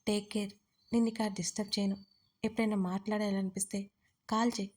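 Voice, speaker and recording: Gentle worried young guy in an audio story, a woman reading him, flat even voice. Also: mid-range voice, fast talker, lightly acted. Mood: quietly hurt. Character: gentle worried young man, hurt but caring.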